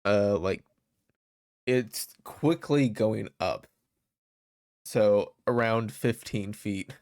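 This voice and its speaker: A man narrating a tabletop game as game master in a calm, matter-of-fact way. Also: lowish voice, drawn-out words, dry recording, clean studio sound. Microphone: headset or desk mic, online session.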